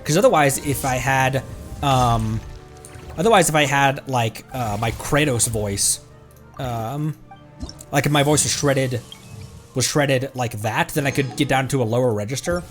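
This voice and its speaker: Hoarse young man rambling over game music. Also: unhurried. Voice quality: tight throat, voice pushed into a higher register. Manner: rambling, with many fillers and self-corrections. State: strained, slightly shredded voice. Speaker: streamer. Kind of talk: casual live gameplay commentary.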